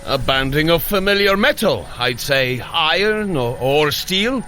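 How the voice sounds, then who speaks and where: An actor playing a hearty, earnest warrior god in an audio drama, speaking in a declamatory, wondering way. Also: male voice, on the high side, lively intonation, unhurried, bright, forceful tone. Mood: puzzled, earnest.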